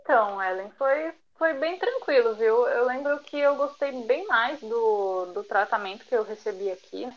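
A woman's voice: on the high side, animated, normal speed, hardly any pauses, dull audio. Chatty young woman. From São Paulo, Brazil. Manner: chatty, many fillers, light laughs. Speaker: podcast guest. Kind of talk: conversational interview.

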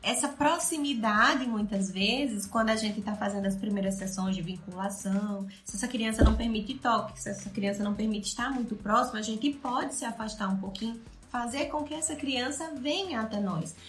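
A Brazilian woman teaching parents on a live stream about playing with children, talking in an animated way and acting out playful narration. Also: a little high, moderate pace, hardly any pauses, roomy sound, faint music behind. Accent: Brazilian Portuguese. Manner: animated, acts out playful narration with loud swings. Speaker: child development educator.

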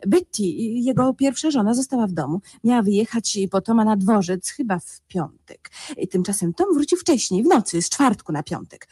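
A lively, chatty wife. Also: female voice, mid-range voice, moderate pace, slightly rough, dry recording, clean studio sound. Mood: gossipy. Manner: chatty storyteller, animated and nervous. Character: lively adult woman, an unfaithful wife. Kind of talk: radio play acting.

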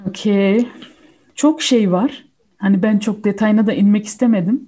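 Mellow woman chatting casually. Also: medium pitch, normal speed. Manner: switches between Turkish and German mid-sentence. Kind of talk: casual chat, explaining a film.

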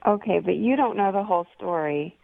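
A woman's voice: medium pitch, animated, brisk, creaky. A woman calling in by phone, guarded and laughing as she talks. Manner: guarded, laughs while talking. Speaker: caller. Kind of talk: phone conversation on radio. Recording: tinny phone line.

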